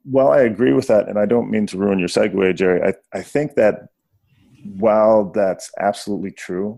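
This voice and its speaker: A man with a Canadian accent, fairly low in pitch with ordinary variation and a dark, mellow tone, at a moderate pace on a very clean recording with a silent background. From northern Canada. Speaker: physical therapist. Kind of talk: interview.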